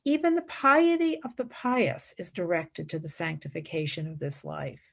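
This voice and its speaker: A woman's voice: low voice, normal speed, creaky. A woman acting in a radio play as an intense, searching young Jewish intellectual, speaking in an earnest, dramatic way. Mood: grave, intense.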